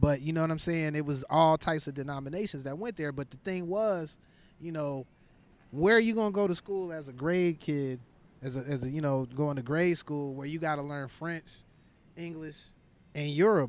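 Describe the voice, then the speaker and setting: A man with an American accent talks at a moderate pace in a fairly high pitch, using ordinary pitch variation. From Dayton, Ohio, with childhood years in Lagos, Nigeria. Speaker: rapper. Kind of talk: casual interview. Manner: animated, many fillers and restarts.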